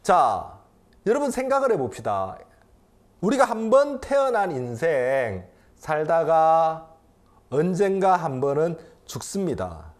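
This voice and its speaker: A middle-aged male pastor delivering a sermon, his pitch sitting a little high and leaping around with lively inflection. He alternates between loud, pressing declarations and hushed, confiding asides, and he often repeats a phrase to drive it home. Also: slow. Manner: swings between loud emphatic and quiet intimate delivery; repeats key phrases for emphasis.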